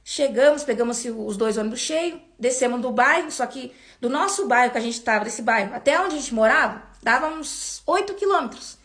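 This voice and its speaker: High-voiced Brazilian woman telling her testimony. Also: normal speed, hardly any pauses. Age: 20s. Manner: animated storytelling with repeated words. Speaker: church member giving testimony. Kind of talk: personal faith testimony.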